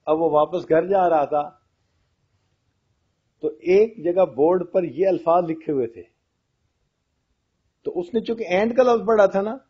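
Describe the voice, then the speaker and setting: A man's voice: high voice, slightly rough. A man giving a religious lecture, telling funny anecdotes and asking his audience questions. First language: Pashto-region colleagues mentioned, not him. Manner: storytelling, asks the audience questions. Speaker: Islamic lecturer. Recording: dull lo-fi audio.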